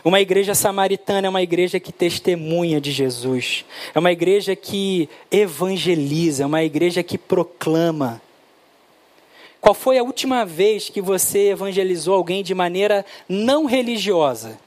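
A man, preaching a sermon and telling stories, acting out the dialogue with lively shifts. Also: sits high, normal speed. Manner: animated, acts out dialogue with his son. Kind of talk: sermon with storytelling.

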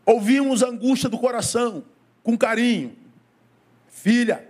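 High-voiced male pastor preaching. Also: a little slow, darkish tone. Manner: preaching with wide swings of pitch and pace, asking the congregation. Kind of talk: sermon. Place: church before a congregation.

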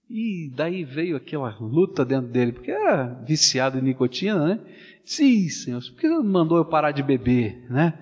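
A man with a Brazilian Portuguese accent preaching a sermon, swinging from loud animated storytelling to hushed, slow pleading. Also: a little high. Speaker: pastor. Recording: dull sound with long hall reverb.

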